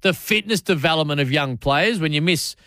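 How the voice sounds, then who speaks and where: Casting: Australian male talkback host, bright forceful higher voice, chatty and matey, dry studio sound. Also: lively intonation, brisk, no echo. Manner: matey, chatty, repeats phrase starts. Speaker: sports radio talkback host. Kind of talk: casual talkback commentary. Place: radio studio.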